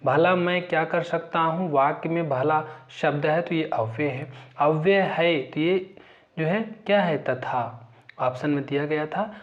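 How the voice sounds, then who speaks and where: A man teaching an exam-prep grammar lesson, reading out lists of terms and example sentences in a steady recital, often filling pauses with "जो है". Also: a little high, lo-fi sound.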